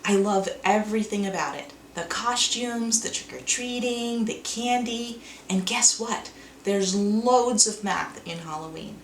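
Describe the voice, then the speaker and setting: Woman, children's read-along host. Very animated, playful, takes her time, roomy sound with faint noise. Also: a little high. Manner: expressive, playful, addresses young viewers. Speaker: children's show co-creator reading a picture book aloud.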